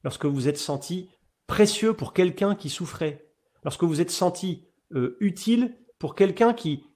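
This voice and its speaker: A middle-aged man, a priest, speaking to an audience in a webinar. His voice sits a little high for a man. He keeps jumping up in pitch and loudness, then drops back, and he fills his pauses with hesitations and repeated words. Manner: animated storyteller with sudden rises in pitch and loudness; frequent fillers and repeated words. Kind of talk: webinar talk telling a personal story.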